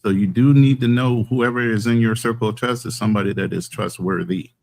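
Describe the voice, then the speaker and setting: A relaxed, fairly low-voiced American man chats on a call about life abroad. He tells stories at an easy pace and now and then acts out the other people in them. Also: fairly quick, creaky. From United States. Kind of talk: casual video-call chat. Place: abroad in the mountains.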